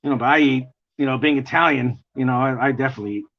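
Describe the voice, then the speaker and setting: A man with a gravelly voice and a New York accent, chatting in a rambling way while he draws on a livestream. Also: mid-range voice, rapid-fire. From United States. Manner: chatty, rambling, chuckling often. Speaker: artist livestreaming a drawing session. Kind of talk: casual chat while drawing. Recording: dull lo-fi stream audio.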